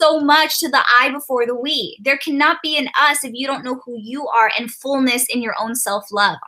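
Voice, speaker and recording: A woman speaks in a raised, projected voice at a high pitch, with ordinary pitch variation, an animated tone, big swings in loudness and a moderate pace with hardly any pauses. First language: Spanish. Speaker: therapist. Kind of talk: podcast interview.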